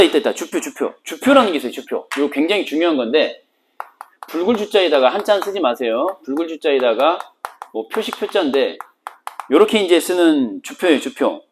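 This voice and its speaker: A literature teacher giving a casual, slangy exam-prep lecture and explaining terms in an animated way. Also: mid-range voice, a little hiss or hum.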